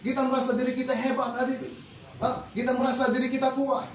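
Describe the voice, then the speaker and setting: High-pitched, fast Muslim preacher man, echoey. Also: completely flat delivery. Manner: exhortatory, repeatedly addressing listeners with rhetorical questions. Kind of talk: religious sermon to an audience. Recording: echoey, distant mic with faint noise.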